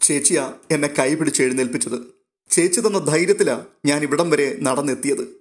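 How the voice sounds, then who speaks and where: A man's voice: fairly high pitch, moderate pace, lightly acted. A man voicing a remorseful young man who apologizes in a choked, emotional voice.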